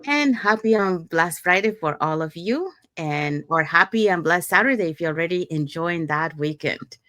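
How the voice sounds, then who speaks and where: A woman from Panama hosts the show in a fairly low voice, upbeat and steady as she walks listeners through the details. Her voice sounds dry and close, with no room echo. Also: normal speed. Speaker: podcast host. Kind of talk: casual promotional podcast talk.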